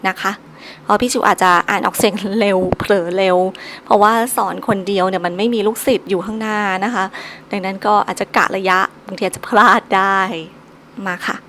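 A woman's voice: medium pitch, steady tone, fairly quick, pushed and bright, a little hiss or hum. A woman teaching a solo recorded language lesson, patiently drilling each syllable three times over.

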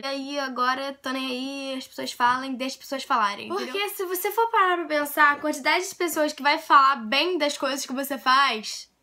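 A young woman with a Brazilian Portuguese accent talks to her camera in a casual vlog, her voice pitched high. She is playful and self-mocking, jumping from loud bursts to low mutters. Her tone is bright and ringing throughout. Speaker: YouTuber.

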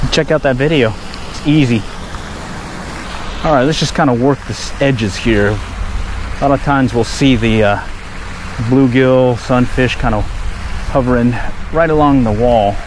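A fishing vlogger gives a casual running commentary as he fishes by a park pond outdoors, speaking in a relaxed, chatty voice of middling pitch and exclaiming happily at each catch. A head-mounted action camera records him, with steady background noise beneath.

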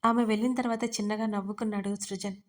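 A woman's voice: medium pitch, little pitch movement, fast talker. Woman narrating a romance audio story.

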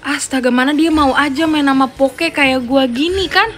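At home, a young woman gives excitable, casual commentary while playing a mobile game, swearing and talking both to herself and her viewers. Her voice is high at a moderate pace, with faint music behind.

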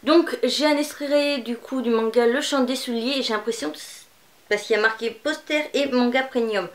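A woman's voice: a little high, moderate pace. A woman presenting manga in a casual unboxing vlog, chatty and rambling, with many fillers. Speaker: manga YouTuber.

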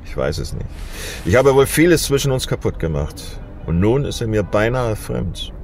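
A man's voice: on the low side, sing-song, normal speed, vocal fry, a little mellow, a little hiss or hum. A man acting a stubborn, regretful old father in a German audio drama, speaking in a weary, grave, emphatic way. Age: older.

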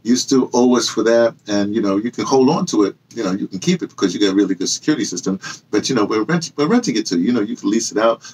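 A man in his sixties with a husky voice talks casually to camera, wandering between asides and correcting himself as he tells his story. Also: on the low side, fast, a little mellow, rough recording. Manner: digressive, self-correcting storytelling. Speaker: host of a personal memoir channel, audio dramatist. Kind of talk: casual rambling monologue to camera. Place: small indoor room with bookshelves and hung clothes.

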